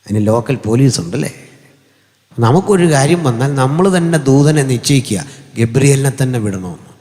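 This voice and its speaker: Male Malayali pastor, mid-range voice, preaching through a mic in a big echoing hall, jokey and conversational, sudden high climbs. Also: animated, brisk, warm tone. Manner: humorous, conversational preaching with sudden rises in pitch. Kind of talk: sermon. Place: large hall. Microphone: hand or stand mic through an amplifier. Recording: long hall reverb.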